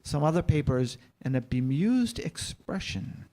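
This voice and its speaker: Higher-voiced man narrating a script. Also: sing-song, unhurried, warm tone. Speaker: narrator reading stage directions. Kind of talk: scripted narration at a staged reading.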